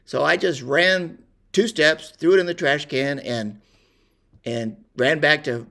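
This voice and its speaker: An older man telling a personal story in a rambling, unhurried way with many pauses and fillers. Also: fairly high pitch, vocal fry, fairly bright tone. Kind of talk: casual spoken reminiscence.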